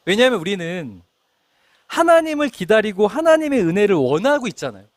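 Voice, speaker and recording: A man's voice: sits high, sing-song, fairly quick, dry recording, studio quality. A middle-aged male pastor preaching a sermon, telling a story and asking the congregation questions. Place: church.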